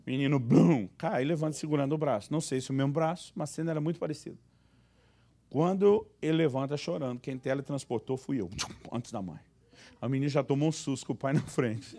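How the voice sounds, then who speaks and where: A man pastor, telling funny stories in a church sermon and acting out the people in them. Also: fairly quick. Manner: animated, acts out quoted dialogue with sudden high voices. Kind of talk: humorous storytelling sermon. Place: church service.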